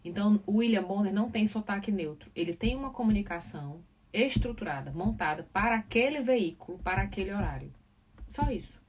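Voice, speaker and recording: A woman's voice: medium pitch, expressive, brisk. A woman with a Northeastern Brazilian accent from Ceará, explaining things informally and didactically to live viewers, stressing key words. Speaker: live podcast host, communication professional. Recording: distant mic, clear background noise.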